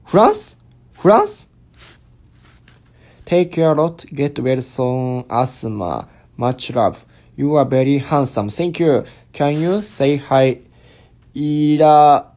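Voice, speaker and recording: Lying on a bed in what sounds like a small bedroom or hotel room, a Kansai-accented Japanese man in his twenties, a stage actor, chats on a livestream with his phone held close. He reads viewer comments and drops in easy English phrases. His fairly high, expressive voice is a little mellow, with drawn-out words and long pauses.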